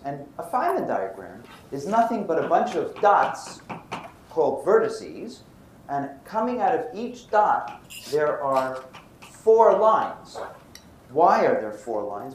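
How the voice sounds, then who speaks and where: An older man from Brooklyn gives a university lecture, checking in with his students. His pitch swings widely as he talks. The roomy hall adds echo, with a faint hiss under the voice. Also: very animated, a little slow. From Brooklyn, New York. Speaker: physics professor.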